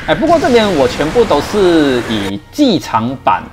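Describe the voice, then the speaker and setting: A man giving a casual preview of a mobile game. He is chatty and excitable, and thinks out loud with repeated starts. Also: on the high side, moderate pace, over music.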